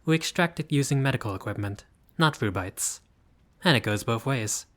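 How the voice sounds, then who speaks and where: A man's voice: medium pitch, animated, moderate pace, fairly bright tone, close to an everyday voice. A man playing a friendly, bashful vampire in a roleplay audio, speaking in formal, polite, old-fashioned phrases with some hesitation. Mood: apologetic, explaining. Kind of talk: intimate roleplay audio acting.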